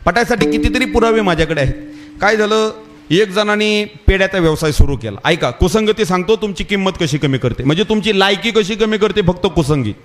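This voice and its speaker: A man with a notably high voice preaching a devotional kirtan before a live gathering. He moves through his parables in a chatty storytelling manner. He keeps turning to the audience and telling them to listen. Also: a little fast, slight background noise. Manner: addresses the audience directly with repeated calls to listen; tells parables in a lively, conversational way.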